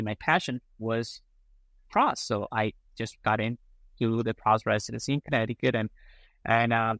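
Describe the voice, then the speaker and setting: A man's voice: on the low side, fairly bright tone, no echo. A middle-aged man from Colombia, a prosthodontist guest on a podcast, talking casually with many fillers and restarts. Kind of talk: casual interview talk.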